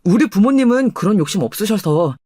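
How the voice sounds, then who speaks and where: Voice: mid-range voice, animated, a little fast, dark tone, dry recording, clean studio sound, lightly acted. A performer voicing an earnest, deferential husband in his thirties in a dramatized radio story.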